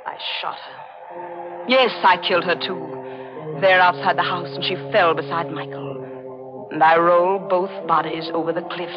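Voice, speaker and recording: A man playing an anguished confessed murderer in halting, melodramatic 1940s radio drama acting. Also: on the high side, fairly even intonation, close to an everyday voice. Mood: anguished confession. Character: anguished confessed murderer, a doomed mystery novelist. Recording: dull old radio recording, music behind.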